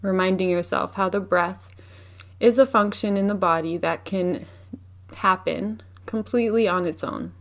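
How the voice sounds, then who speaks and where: A woman with a medium-pitched voice guides a meditation. She gives soft, soothing instructions as a teacher would. Her delivery is unhurried and gentle, leaving room between phrases.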